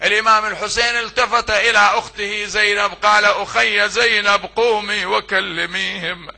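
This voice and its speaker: A man, reciting a mourning sermon that moves between chanted lament and quiet prayer. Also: high-pitched, fairly even intonation, moderate pace, vocal fry. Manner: emotional, sing-song lament rising to cries, then soft prayer.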